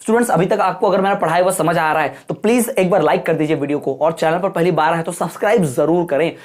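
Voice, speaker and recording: A man's voice: fairly high pitch, quick pace. A male teacher giving an exam-prep lecture, explaining points over and over and checking that listeners follow, calling them "brother". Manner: repetitive explaining with frequent rhetorical checks; folksy, addresses viewers as brother.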